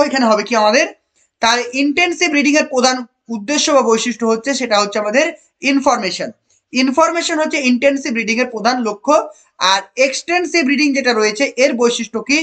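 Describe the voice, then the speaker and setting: An animated, slightly bright, high-pitched teacher runs an online exam-prep class, asking one question after another. The key answers are repeated, pupils are named in praise, and the English options come out slowly.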